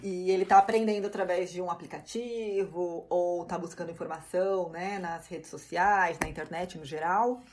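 A woman with a Brazilian Portuguese accent, a guest on a podcast, talking in a lively and agreeable way. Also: fairly low pitch, moderate pace, hardly any pauses, background noise. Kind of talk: casual podcast conversation.

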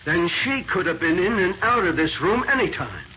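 Brusque, suspicious police sergeant, fairly high voice, grumbles and snaps. Vintage radio crime drama, dull sound. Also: male voice, sing-song, normal speed, slight background noise. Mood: brisk, probing. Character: gruff, suspicious, impatient male police homicide sergeant. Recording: dull lo-fi 1940s radio recording.

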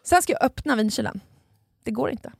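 A woman's voice: on the high side, animated, gravelly, husky, no room sound, clean studio sound. A woman co-hosting a podcast, telling a long story in a casual chat and swearing freely. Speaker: podcast co-host.

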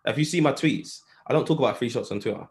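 London roadman guy on a podcast, slangy casual chat, tells stories all animated. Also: medium pitch, fast. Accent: London, urban street slang. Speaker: podcast guest.

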